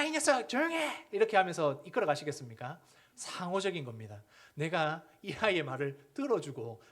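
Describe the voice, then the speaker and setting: A middle-aged man preaching a sermon as a pastor. He often asks the congregation questions and acts out the voices of children and parents. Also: a little high.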